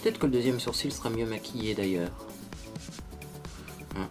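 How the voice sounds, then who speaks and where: A man's voice: fairly low pitch, moderate pace, over music. A man talking casually through a makeup tutorial to viewers, chatty and self-mocking, tagging his sentences with little asides. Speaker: beauty vlogger.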